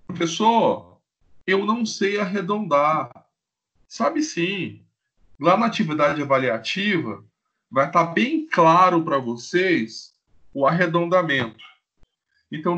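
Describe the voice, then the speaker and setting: A man's voice: fairly high pitch, pushed and bright. A man with a Brazilian Portuguese accent teaching a live online chemistry class, playful and joking as he acts out little scenes with students. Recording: dull lo-fi stream audio.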